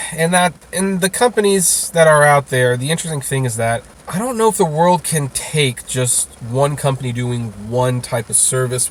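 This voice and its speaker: A man being interviewed, talking casually and explaining things in a halting way with repeated words. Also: mid-range voice, slight background noise. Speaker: interview guest, rideshare video creator.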